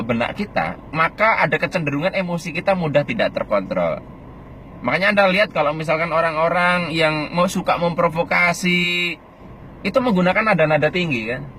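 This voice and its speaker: A man teaching a self-development lesson, swinging his voice from high to low as he demonstrates. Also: slight background noise. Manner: demonstrates by acting out quoted words loud and soft; lively shifts between high and low pitch. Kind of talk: spoken lesson to camera.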